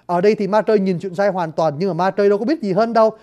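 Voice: mid-range voice, rapid-fire, mellow, lo-fi sound. A storyteller explaining a stage play to listeners in a chatty, joking way, often addressing them directly. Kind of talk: lively spoken commentary to listeners.

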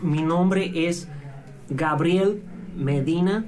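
Someone playing a slow, earnest Ecuadorian guest. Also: medium pitch, music in the background. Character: male Ecuadorian political guest.

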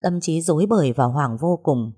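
Low-pitched woman narrator, steady scripted storytelling. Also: normal speed, husky.

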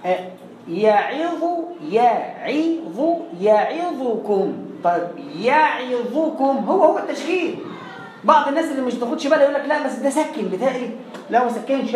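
Egyptian recitation teacher drilling words slowly, far off mic, faint hiss behind. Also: medium pitch. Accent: Egyptian Arabic. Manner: recites example words slowly and repeats them to demonstrate. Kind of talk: classroom lesson with recited examples. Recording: echoey room, voice far from the mic.

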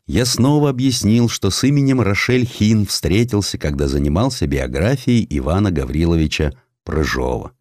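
Deep-voiced, highly expressive male narrator. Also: moderate pace, hardly any pauses, no room sound, clean studio sound. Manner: theatrical, wry storytelling. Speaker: audiobook narrator. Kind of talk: dramatic scripted narration of a historical sketch.

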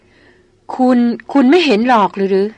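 A woman's voice: a little high, unhurried, no echo, voice pushed up, lightly acted. A woman voicing a terrified young woman doctor who insists she saw a ghost. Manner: frightened, pleading, insistent.

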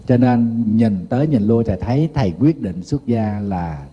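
A man's voice: mid-range voice, normal speed, lo-fi sound, slight background noise. A middle-aged man with a Southern Vietnamese accent, preaching as a Buddhist monk, telling humorous anecdotes in a sermon. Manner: lively anecdotal storytelling with humor.

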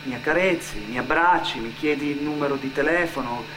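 A man's voice: a little high, fairly quick, background noise. A man delivering an emotive, scripted dramatic monologue, repeating phrases as a storyteller would on stage. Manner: emotive, addressing an absent person as "you", repeating phrases. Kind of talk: dramatic scripted narration, theatrical monologue over music. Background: music.

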